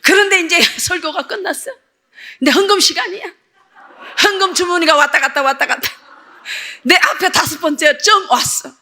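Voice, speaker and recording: A middle-aged woman missionary giving a lively testimony sermon to a church audience, acting out her past self as she tells the story. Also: very high-pitched, normal speed, pauses often. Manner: animated storytelling, acts out her own past voice. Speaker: missionary preacher. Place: church service with audience laughing.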